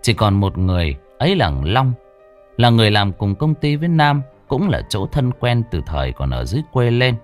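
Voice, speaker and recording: A man's voice: mid-range voice, big pitch swings, normal speed, soft background music. A man narrating a ghost story in a dramatic, suspenseful way.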